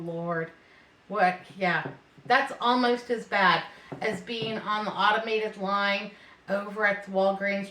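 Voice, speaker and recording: A woman's voice: medium pitch, fairly bright tone. A middle-aged or older woman chatting casually and folksily to viewers as she bakes at home, rambling through anecdotes and repeating herself. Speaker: home baking video host. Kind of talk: casual rambling chat to viewers while cooking. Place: indoors, home kitchen. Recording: echoey room, distant mic, faint noise.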